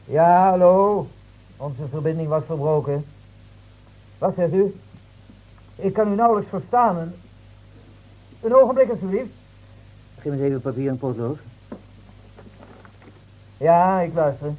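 Scornful, officious policeman, mellow voice. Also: fairly high pitch, measured pace, long pauses. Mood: official, exasperated. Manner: lecturing, brusque. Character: scornful, officious city-bred policeman in a mountain post. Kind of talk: Dutch radio drama acting. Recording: muffled old radio recording.

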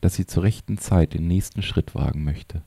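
A man voicing a wise older sage in an audiobook, who speaks softly and with understanding. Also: low voice, moderate pace, creaky, husky, no room sound, full character voice. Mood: gentle. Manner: soft, understanding.

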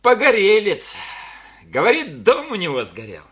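An actor playing a middle-aged townsman and father, bustling and businesslike, quick to give advice in a radio play. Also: high voice, wildly swooping pitch, a bit bright, husky, heavily acted. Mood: brisk. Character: brisk middle-aged townsman, head of family.

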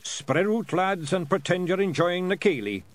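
Rowdy little pixie brawlers, as a man puts them on, with broad Scottish accents. They sound rough and brash, faking posh manners badly. Their voices are high, loud and swooping. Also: lively intonation, moderate pace. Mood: warning. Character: rowdy tiny male pixie warriors at a ball.

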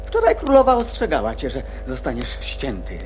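An actor playing a touchy, scolding playing-card gardener in a children's radio play. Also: male voice, mid-range voice, wildly swooping pitch, moderate pace, a little mellow. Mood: cross. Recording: music behind the voice.

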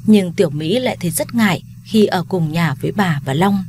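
A woman narrating a family drama story in a steady, somber scripted telling. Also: on the low side, fairly quick, slight background noise.

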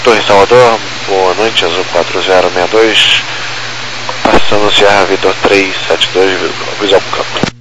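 A Brazilian airline pilot heard over an aviation radio, giving brisk, matter-of-fact readbacks in clipped radio phraseology. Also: male voice, low voice, steady tone. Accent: Brazilian Portuguese. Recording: noisy cockpit radio transmission.

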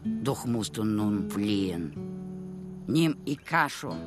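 A man playing a fierce, protective Native American warrior parent in a radio drama, with slow, emphatic delivery. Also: on the low side, animated. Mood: grave, urgent. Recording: music under the voice.

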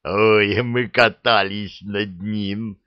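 A man's voice: on the low side, fairly even intonation, very slow, dry recording, lo-fi sound. A man voicing the cheerful right head of a three-headed dragon in a storybook reading, raised and drawling. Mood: playful. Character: cheerful silly dragon head, male, playful.

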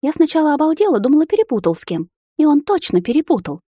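An excitable young sister, voiced by a woman, pitched high and rattling off her words. She sounds agitated and indignant throughout, in a dry storybook recording with no room echo. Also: fast talker.

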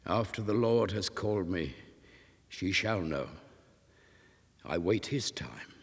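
Stern, sorrowful old sailor near death read by a man, slow and low, husky, reverb. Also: expressive. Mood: grave. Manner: grave, hushed. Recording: reverberant room.

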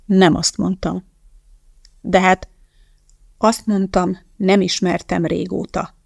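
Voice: medium pitch, little pitch movement, vocal fry, husky, no echo, studio quality. A reader doing a curt grieving woman. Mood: tense. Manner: terse, clipped, cold.

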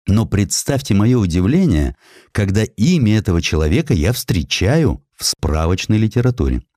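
Low voiced guy reading an audiobook, really lively storyteller delivery, dry studio sound. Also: dry recording. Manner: storytelling, rhetorical, emphatic pauses. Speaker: audiobook narrator, reading in the author's first person. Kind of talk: expressive dramatized literary narration.

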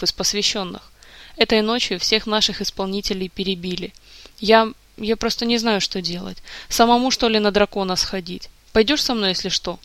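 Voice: mid-range voice, a bit bright, clean tone, no echo, close to an everyday voice. A reader voicing a despairing king. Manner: weary, halting, close to tears. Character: grieving, despairing king, adult man.

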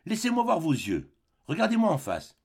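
A man's voice: high-pitched, huge pitch swings, normal speed, darkish tone, slightly rough, voice pushed up, heavily acted. A man reading a play aloud, voicing a jealous, tormented general with harsh, accusing outbursts. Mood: commanding.

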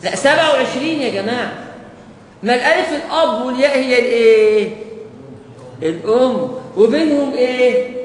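A man's voice: extremely high pitch, animated, brisk, pauses often. Egyptian man teaching in an echoing hall. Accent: Egyptian Arabic. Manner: asks the audience questions and answers them himself. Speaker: Quran teacher. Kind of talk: recorded lecture to teachers. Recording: echoey hall with long reverb and faint hiss.

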